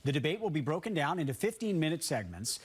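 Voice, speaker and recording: A man's voice: a little high, big pitch swings, fast, husky. A man news anchor delivering scripted morning news in a broadcast style.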